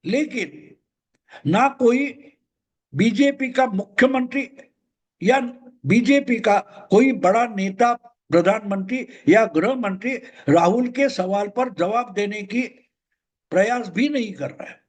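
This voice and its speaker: An older man with a mother tongue talks alone on camera in a very high voice. He drives home each point emphatically and says it again for weight. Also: slow. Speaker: political commentator. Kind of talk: solo political commentary.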